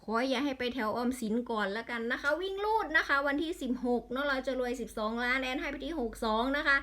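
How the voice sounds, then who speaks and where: A woman's voice: high-pitched, fast, a bit bright. A woman with an Isan accent in a casual vlog, rattling off lottery number strings and breaking into exasperated grumbles.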